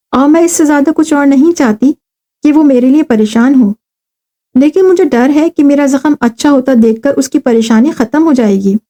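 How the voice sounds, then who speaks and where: A woman's voice: high voice, mellow, natural voice. A woman voicing Angela, a playful young noblewoman who teases her friend. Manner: teasing, confiding.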